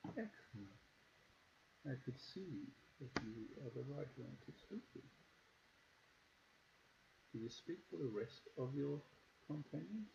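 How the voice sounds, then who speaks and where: A man with a South African accent voicing a mysterious, beautiful woman who hosts travellers on her island. She speaks in a formal, measured way. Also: mid-range voice, sing-song, gravelly, lo-fi sound, noisy background, pitched above the performer's own voice. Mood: courteous.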